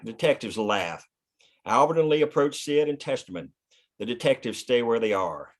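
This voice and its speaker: A man's voice: medium pitch, very animated, normal speed. A man narrating the scene directions of a screenplay at a table read. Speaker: narrator reading stage directions.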